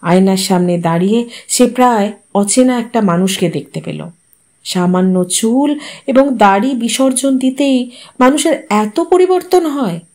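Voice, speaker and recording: Woman storyteller with a slightly high voice, calm and measured audiobook reading.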